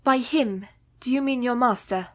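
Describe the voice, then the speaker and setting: An actress playing an earnest young married woman who questions a madman gently and steadily. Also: on the high side, normal speed, close to an everyday voice.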